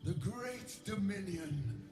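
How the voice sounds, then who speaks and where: A woman's voice: mid-range voice, expressive, echoey room, over music. A woman playing an imperious, wrathful undead warrior queen in a video game, grandiose and commanding. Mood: imperious, scornful. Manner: grandiose, commanding, drawn-out emphatic delivery. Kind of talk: video game dramatic acting.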